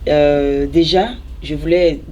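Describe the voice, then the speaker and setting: A woman's voice: low voice, fairly even intonation, takes it slowly, a little mellow, dull audio, slight background noise. Woman preaching emphatically. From Benin. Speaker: evangelist. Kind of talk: exhortation in a church interview.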